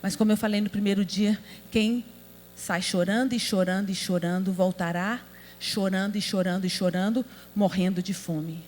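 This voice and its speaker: A woman's voice: medium pitch, fairly even intonation, moderate pace, darkish tone. A woman pastor from Brazil preaching a sermon, emphatic and asking the audience rhetorical questions. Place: large convention hall. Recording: hall reverb with mains hum.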